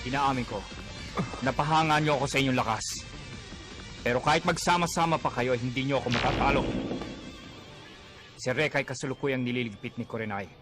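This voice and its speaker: Casting: male actor as arrogant anime villain, scornful and menacing, middle-pitched, music underneath. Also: fairly quick, pauses often, lightly acted. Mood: taunting. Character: arrogant, taunting male villain who commands a flame servant. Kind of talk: Tagalog anime dub acting.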